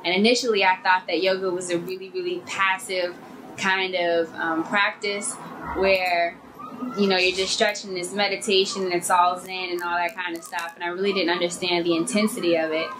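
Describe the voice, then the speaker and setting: A woman describing her path into yoga in a thoughtful, detailed way, with many pauses. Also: lowish voice, level tone. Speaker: interviewee, former personal trainer. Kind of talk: documentary interview. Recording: noisy recording.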